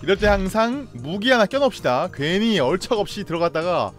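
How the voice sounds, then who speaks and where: A young man streaming a game live, reacting loudly, laughing and greeting viewers. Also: sits high, very animated, brisk, soft background music.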